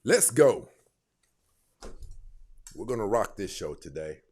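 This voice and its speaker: A man hosting a dating advice stream, lecturing his viewers in a casual, animated way. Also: on the low side, slow, breathy edge. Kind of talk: casual live commentary.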